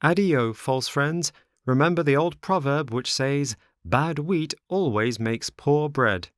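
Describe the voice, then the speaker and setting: Man voicing an earnest, high-pitched boy marionette. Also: slow, dry recording, clean studio sound. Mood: scornful. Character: earnest, grateful little boy marionette, scolding when wronged.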